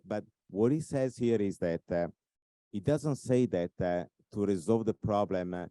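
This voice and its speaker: This Italian-accented man has a low, mellow voice. He explains his points in an interview, filling pauses with uhs and leaning on the key phrases. The sound is close and dry. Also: dry recording. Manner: explanatory, many filler uhs, emphatic points. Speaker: author and expert speaker. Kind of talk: recorded interview talk.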